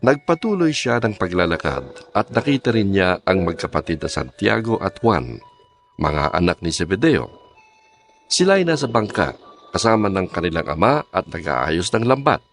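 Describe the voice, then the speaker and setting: A man's voice: sits low, sing-song, moderate pace, creaky, slight background noise. A man with a Filipino accent narrating a scripted audio Bible. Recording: music under the voice.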